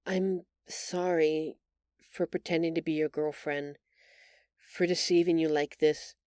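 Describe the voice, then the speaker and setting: A woman playing a gentle, frightened alien shapeshifter in an audio roleplay, halting, earnest and apologetic. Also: low voice, steady tone, clear, resonant tone, no echo, studio quality, voice pushed down. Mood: apologetic, hesitant. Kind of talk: audio roleplay acting, intimate confession.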